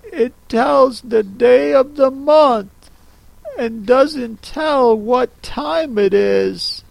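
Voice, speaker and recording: A man putting on a polite, puzzled little girl who answers softly and carefully. The voice sits high above his own and drawls slowly. It sounds a touch away from the mic. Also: creaky, no room sound, heavily acted, poor audio. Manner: polite, cautious, soft and slow.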